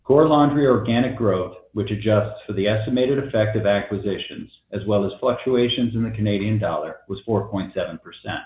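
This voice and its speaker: A man's voice: on the low side, brisk, few pauses, a little hiss or hum. A man in the role of a company finance executive, formally reading a scripted earnings presentation. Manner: formal, reading prepared figures. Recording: echoey, slightly dull conference call audio.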